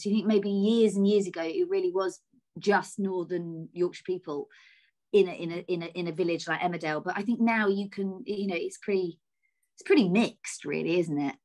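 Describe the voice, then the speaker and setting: A woman, a soap actress chatting thoughtfully in an interview, often pausing and rephrasing over a video call. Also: lowish voice, darkish tone. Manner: thoughtful, hesitant. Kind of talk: casual interview chat. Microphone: laptop video call.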